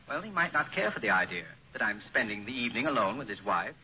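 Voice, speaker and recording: A man's voice: medium pitch, very animated, quick pace, a little hiss or hum, natural voice. A man playing a wry, obliging family friend in a 1940s radio comedy. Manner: dry, wry. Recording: dull lo-fi old radio broadcast.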